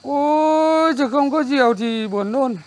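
A woman's voice: high voice, a little slow, a little mellow. An actress playing a bossy, harsh young village woman who scolds and orders people around, in a television drama. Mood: scolding.

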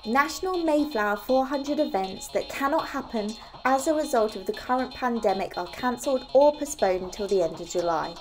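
A woman's voice: on the high side, animated, normal speed, few pauses, natural voice. Woman as a formal news announcer over music.

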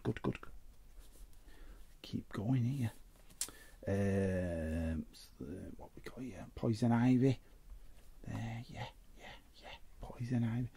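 Hosting a trading card opening show, a man with a lowish, warm voice gives casual, chatty unboxing commentary. He mutters and repeats short phrases to himself as he goes.

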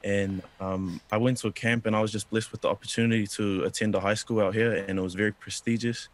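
A man's voice: fairly low pitch, little pitch movement, fast talker. Earnest young man on a video call. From New Zealand. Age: young adult. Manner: polite, earnest, says sir. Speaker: interviewee. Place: indoor room.

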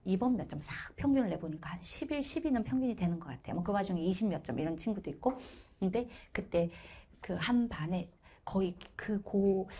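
A woman's voice: medium pitch, slight background noise. A woman math teacher telling a funny story to her class during a live lecture, laughing often as she goes.

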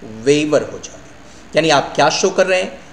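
A man's voice: a little high, animated, normal speed, vocal fry. Middle-aged man teaching vocabulary in an echoey room. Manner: explains word meanings in Hindi, addresses students as children. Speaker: English teacher. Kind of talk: vocabulary lesson. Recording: echoey room, faint hum.

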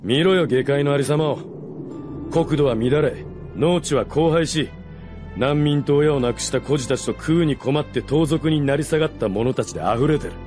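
A man playing a cynical, rough-spoken mercenary warrior in a radio drama, blunt and casual. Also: on the high side, moderate pace, darkish tone, faint music behind, natural voice. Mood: blunt, grave. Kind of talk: Japanese radio drama acting.

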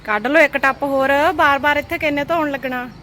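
A woman's voice: sits high, steady tone, fairly quick, pushed and bright, a little hiss or hum. A woman with a Punjabi accent chatting casually in a teasing, chiding way as she vlogs. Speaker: vlogger. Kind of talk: casual vlog chat.

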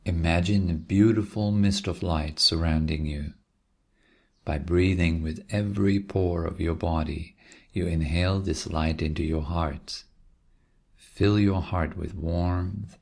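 Very deep, gravelly man guiding meditation. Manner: calm, gentle, unhurried instruction with long pauses. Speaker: meditation teacher. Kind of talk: guided meditation. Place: quiet room.

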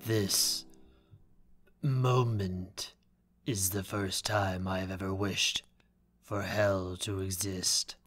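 A proud man played by an actor speaks in a low voice with slow, bitter, clipped delivery. He is cold and desperate with hatred, in audio drama style. Faint music sits behind him. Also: level tone, a bit bright, heavily acted.

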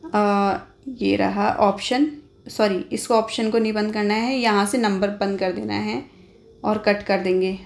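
A woman's voice: mid-range voice, steady tone, unhurried, creaky. An Indian woman hosting an informal phone tutorial, explaining step by step and often adding little check-in tags. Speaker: tech tutorial host.

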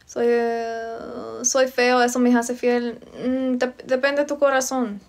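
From a room in her home, a young woman from Virginia, United States, livestreams casually on a phone held close to her. Her high-leaning voice is steady and slow as she reads aloud, answers viewers' comments, and calls them by name.

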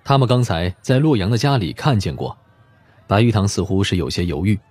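A man's voice: fairly low pitch, big pitch swings, a little fast, darkish tone, dry recording. A man reading a detective audiobook as a scripted narration. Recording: music behind the voice.

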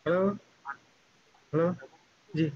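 A man joining by an online call, giving a slow, measured formal speech at a memorial meeting. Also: darkish tone. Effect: heard over an online call line. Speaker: guest speaker at a memorial meeting. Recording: muffled lo-fi call audio with faint noise.

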